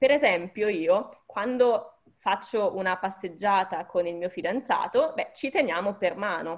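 A woman talks in an ordinary speaking voice at medium pitch with ordinary pitch variation. Her pace is fairly slow, with hardly any pauses. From northern Italy, near Lake Maggiore. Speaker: online Italian teacher. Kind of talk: interview.

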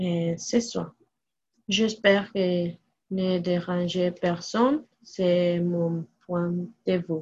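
A woman with a Spanish accent speaks very slowly in a fairly low, somewhat breathy voice. Her intonation is fairly even, with long, frequent pauses. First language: Spanish (speaking French). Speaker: guest. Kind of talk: casual chat.

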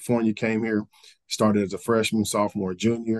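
A man speaks with a Texan accent at a moderate pace. His fairly low voice stays monotone and flat. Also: dry, close sound with no echo. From West Texas (Midland). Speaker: former college football player, player development director. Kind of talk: casual interview.

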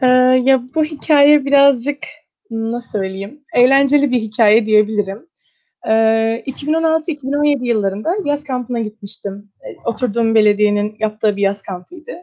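A plain, everyday voice, a woman's, fairly high in pitch, at a fairly slow pace with ordinary pitch variation. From Istanbul, Zeytinburnu. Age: 20s. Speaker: university student and youth volunteer. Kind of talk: interview. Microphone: echo.

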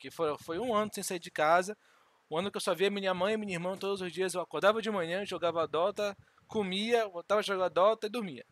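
Recorded dry and close with no echo, a man talks at a fairly quick pace in a high pitch, his intonation fairly even. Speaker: podcast host. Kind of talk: casual chat. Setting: live stream.

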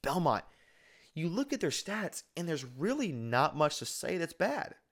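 A man speaks with an American accent. He goes at a fairly quick pace. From Nashville, Tennessee, US South. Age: young. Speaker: sports podcast host, student. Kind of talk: solo sports talk podcast. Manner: animated.

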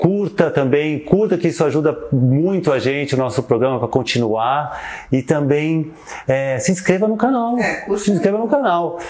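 Lively intonation moves along at a moderate pace over noticeable background noise. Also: man, fairly high pitch for a man. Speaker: podcast host, actor and mime. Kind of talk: casual interview chat.

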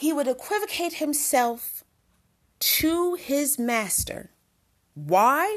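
A woman speaks in a high voice with a weary tone. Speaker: podcast host and activist speaker. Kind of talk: impassioned protest speech rehearsed in full for the podcast, rhetorical and oratorical. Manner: fiery, declamatory delivery with dramatic storytelling and acted-out dialogue; defiant and weary, with pointed sarcasm and sighs.

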